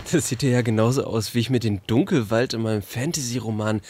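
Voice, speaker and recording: A man's voice: medium pitch, moderate pace, darkish tone, slight background noise, close to an everyday voice. A man voicing a bookish teenage girl who has ended up with a man's voice, stammering and flustered, in a comic audio play. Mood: amazed.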